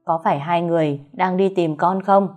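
A woman's voice: lowish voice, steady tone, moderate pace, darkish tone, soft background music, natural voice. A woman voicing a middle-aged male fisherman who tells things in a plain, matter-of-fact way. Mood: earnest.

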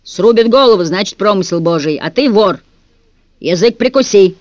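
A man voicing a gruff, pious guard who speaks in a booming bass, over a dull, dry recording. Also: animated, normal speed, no echo.

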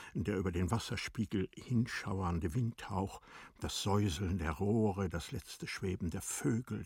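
A man narrating a literary audio drama in a measured, expressive storytelling manner. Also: on the low side, husky.

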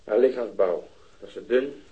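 An actor playing a dry, sarcastic male police detective with a husky voice in a radio drama. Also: on the low side, measured pace, highs cut off. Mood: questioning. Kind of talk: 1970s radio drama acting.

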